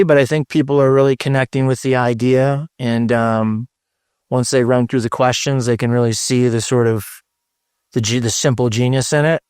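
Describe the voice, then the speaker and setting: A middle-aged man speaks as a podcast guest with a smooth, resonant voice, recorded dry and close. He talks in an emphatic, profane, motivational way, stacking short commands and never letting the energy drop. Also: mid-range voice, no echo. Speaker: guest, branding strategist. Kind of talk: casual podcast interview.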